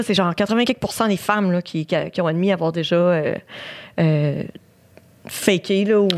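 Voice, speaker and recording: A woman with a Quebec accent. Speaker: podcast host and dating app founder. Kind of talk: casual chat.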